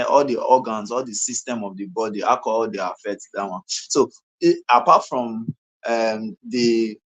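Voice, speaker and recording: A man with a Nigerian accent explains medical matters informally as a doctor. His pitch is average, and he speaks haltingly, repeating himself and adding short questioning tags. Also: low-quality recording. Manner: halting, repetitive, tags phrases with "eh".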